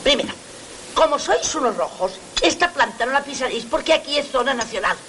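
Bossy older countess, high voice, noisy old film track. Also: female voice, animated, fairly quick, a bit bright. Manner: bossy, teasing. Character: imperious elderly aristocratic countess. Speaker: film actress.

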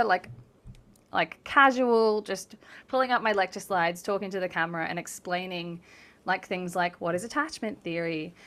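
A woman in her late 20s, a developmental psychology academic, co-hosts a podcast in a rambling, chatty, casual way and laughs often. Her voice is mid-range and a bit bright.

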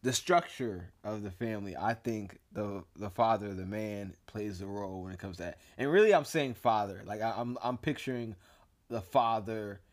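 A man's voice: on the low side, moderate pace. A man co-hosting a casual podcast, talking in a laid-back, playful way and laughing often. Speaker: podcast co-host. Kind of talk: casual conversational podcast chat.

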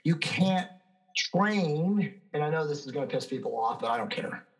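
A man's voice: on the high side, lively intonation, normal speed, poor audio. A man in his fifties, a fitness expert guest answering interview questions in an emphatic, self-assured, lecturing way. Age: 50s.

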